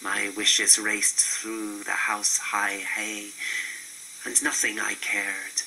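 A man recites poetry in measured, declamatory phrases at a very slow pace. His voice is lowish with a very sharp, forceful edge, over a faint hiss. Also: monotone, rough recording. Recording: faint hiss and background noise.

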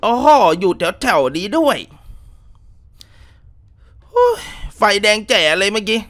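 A man hosting a gaming video, giving excitable, jumpy commentary while playing a horror game. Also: high-pitched, takes it slowly.

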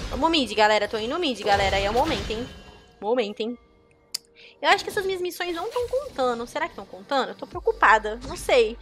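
A young Brazilian woman chatting casually with viewers while streaming a game, with excitable outbursts. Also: a little high, quick pace, music in the background. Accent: Brazilian Portuguese. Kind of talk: casual gameplay commentary.

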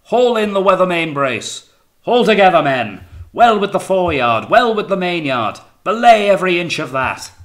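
A man's voice: low-pitched, moderate pace, hardly any pauses, sharp tone. A man voicing a raging, paranoid, tyrannical sea captain in an audiobook, barking imperiously and with menace. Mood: commanding. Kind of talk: dramatised audiobook character.

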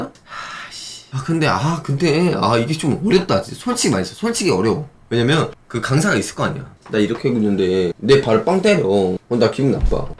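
A man talks on a live stream in a loose, chatty way, and his pitch swings up and down a lot as he reacts. He counts out kicks and swears casually as he goes. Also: slight background noise. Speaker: swimming coach and YouTuber. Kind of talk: casual live-stream chat reading comments.

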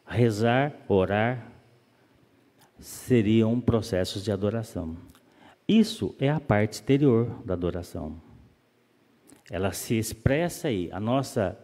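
Low-voiced man lecturing in a reverberant hall. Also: slow, pauses often. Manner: calm, explanatory, rhetorical questions. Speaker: lecturer at a spiritist center. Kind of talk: spiritist public lecture.

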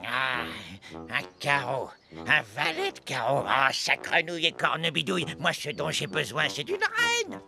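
An actor playing a grumbling old troll who guards a tollgate in a cartoon, with a gravelly voice and theatrical manner. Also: male voice, fairly high pitch, wildly swooping pitch, a little slow, pushed and bright, exaggerated voice. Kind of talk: French cartoon dub acting.

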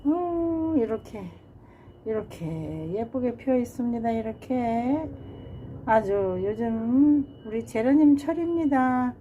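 Slowly and fondly, a woman shows off the geraniums on her home balcony in a casual garden tour, saying each flower's name again and sighing over their beauty. Her slightly high, mellow voice moves at an unhurried pace. The phone recording is muffled, with a faint hiss of background noise.

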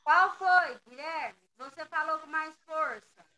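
A primary school teacher with a Brazilian Portuguese accent teaches young children in an online class, stretching syllables and patiently prompting pupils. Her high, bright, pushed voice moves slowly, and the rough video-call recording carries background noise.

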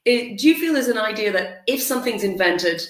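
A young woman interviews a guest over a video call, her mid-pitched voice carrying a roomy echo. She asks long, probing questions in a relaxed, conversational way. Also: a little fast. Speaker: interviewer, tech reporter. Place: home room.

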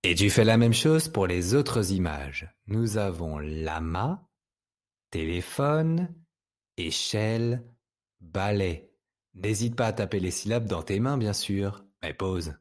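A French-accented man gives a reading lesson to young children in a lowish voice. He speaks very slowly and patiently, stretching out each sound so it can be heard clearly. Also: animated. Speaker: teacher.

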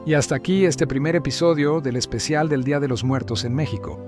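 Guy reading a formal intro bit, kinda high voice, music behind. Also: fairly quick. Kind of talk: scripted narration.

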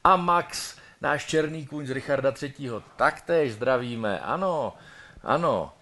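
A man's voice: medium pitch, lively intonation, bright, forceful tone. Playful, hesitant man hosting a stream. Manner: playful, chatty, hesitant with many fillers. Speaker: actor hosting a theatre livestream. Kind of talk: casual live-stream chat.

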